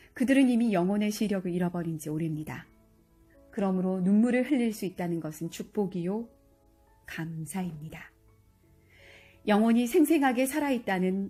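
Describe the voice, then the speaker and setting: Over background music, a woman speaks at medium pitch and a moderate pace with lively intonation. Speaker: announcer. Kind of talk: audiobook reading of an essay.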